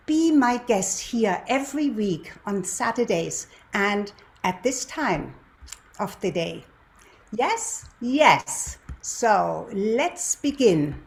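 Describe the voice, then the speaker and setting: A woman in her seventies from Germany, a native German speaker with a German accent, hosts a show, introducing herself and telling her story in a deliberate manner with rhetorical questions. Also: medium pitch, darkish tone. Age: 70s. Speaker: show host, lifestyle and relationship coach. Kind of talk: presenter's introduction and personal storytelling to viewers.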